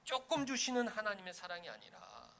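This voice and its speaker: Bright-voiced male pastor preaching emphatically. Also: high voice, huge pitch swings, a little fast, gravelly. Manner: emphatic, repeats key phrases, acts out short prayers and dialogues. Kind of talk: sermon.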